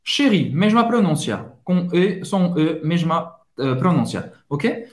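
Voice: medium pitch, big pitch swings, slow pace. A speaker co-hosting a casual podcast lesson and modeling phrases in a chatty way. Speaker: French teacher co-host. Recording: roomy echo.

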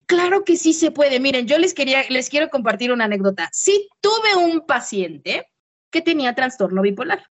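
Mexican woman, podcast host, high voice, slangy and playful. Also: normal speed. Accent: Mexican Spanish. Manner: slangy, playful, swings into lively voiced quotes. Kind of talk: casual podcast chat.

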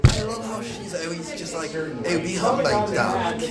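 A man's voice: high-pitched, normal speed, loud music behind the voice. A young man teasing and bantering with friends in casual chat. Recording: heavy crowd noise behind.

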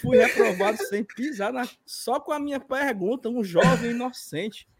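A man's voice: very high-pitched, sing-song, normal speed, vocal fry, over a noisy crowd. A man with a Northeastern Brazilian accent from Ceará and an occasional stutter, casually telling personal stories as a podcast host. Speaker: podcast and live stream host.

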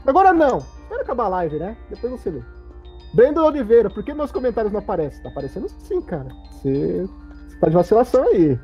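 A woman's voice: medium pitch, big pitch swings, fast. A woman hosting a casual livestream chat in Brazilian Portuguese, reading viewer comments aloud and putting questions to her co-hosts. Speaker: host. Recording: dull lo-fi stream audio with faint music.

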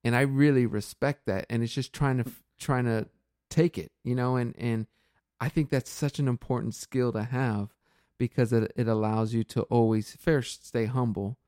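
A man's voice: mid-range voice, fairly even intonation, moderate pace, dark tone, no echo, clean studio sound. A man hosting a podcast in casual, reflective chat, thinking aloud earnestly with many fillers and restarts. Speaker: podcast host.

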